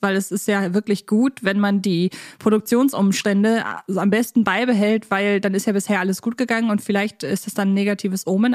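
A woman's voice: mid-range voice, darkish tone, no echo, studio quality. A talkative woman co-hosting a podcast in a casual, teasing chat style. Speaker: podcast co-host.

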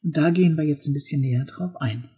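A woman hosting a podcast language lesson, explaining pronunciation step by step and modelling words slowly. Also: low-pitched, mellow, slightly rough. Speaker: Swedish teacher and podcast host.

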